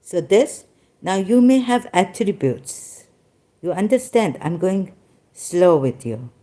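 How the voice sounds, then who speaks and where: A woman with a Pakistani accent and Sindhi as her first language, giving an informal religious talk in halting, broken English with many restarts, tired and soft-spoken as she goes on. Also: fairly low pitch, animated. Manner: tired, winded and soft-spoken in later part. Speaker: religious commentator.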